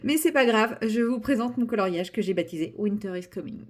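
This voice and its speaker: Brisk and animated, with a medium-pitched voice, this young coloring vlogger talks casually as she works on her project. She wanders through her thoughts, full of filler words and false starts, and makes fun of herself.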